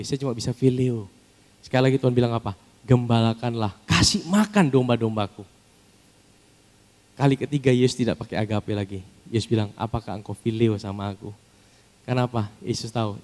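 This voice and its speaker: Pastor guy w/ preaching, keeps saying saudara, gets loud n high at the big points. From Indonesia. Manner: rises to loud high-pitched preaching at climaxes; addresses congregation as "saudara". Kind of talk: sermon.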